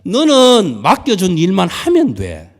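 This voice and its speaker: A man preaching in Korean, voicing God as a stern, fatherly figure who rebukes slowly and firmly. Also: low voice, very animated, warm tone, big-room sound, voice pushed down. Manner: firm, rebuking, slow and emphatic.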